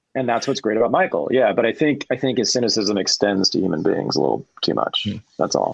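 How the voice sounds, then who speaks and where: A man with a Californian accent at a very fast pace, with very even loudness. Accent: General American, Californian. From US West Coast, Berkeley, California. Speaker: historian. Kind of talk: casual chat. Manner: animated.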